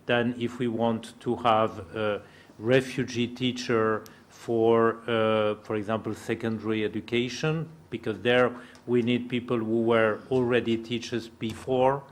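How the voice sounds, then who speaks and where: A man who works in refugee education, giving a halting, careful answer at a conference panel with many pauses. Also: mid-range voice, flat delivery.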